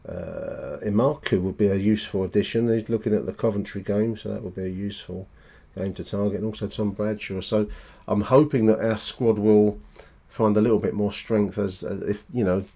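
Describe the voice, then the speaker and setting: A man hosting a casual fan podcast, speaking in a halting, matey way and correcting himself as he goes. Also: on the low side, dark tone. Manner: halting, self-correcting, matey, tag questions. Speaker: podcast host.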